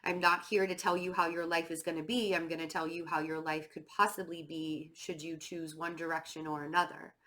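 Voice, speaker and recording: A stuffy, slightly nasal woman talks through a tarot reading in an easy, rambling way, with plenty of ums and likes. Her voice sits a little low but sounds bright and forward. She sounds restless and a bit nervous. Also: little pitch movement, fairly quick, few pauses. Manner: chatty, filler-heavy, with many "um" and "like"; self-described nervous and fidgety. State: stuffy nose from a cold. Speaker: tarot reader. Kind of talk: casual spoken tarot reading to camera.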